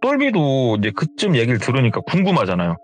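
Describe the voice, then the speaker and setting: A man who hosts a horror radio show, retelling a viewer's ghost story in an animated way and acting out the quoted dialogue. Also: medium pitch, fast, faint music behind.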